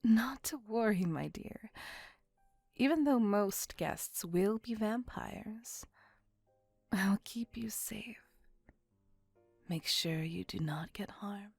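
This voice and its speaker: A woman voicing a possessive, centuries-old female vampire in an ASMR roleplay, whispering softly with formal, old-fashioned phrasing. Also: mid-range voice, lively intonation, takes it slowly, creaky, long pauses, husky, dry recording, exaggerated voice. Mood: tender. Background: faint music.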